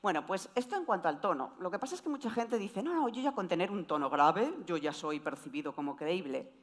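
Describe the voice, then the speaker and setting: Lively woman giving a voice talk. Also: a little fast. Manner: explanatory, lively pitch swings. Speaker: voice coach speaker. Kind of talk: presentation talk.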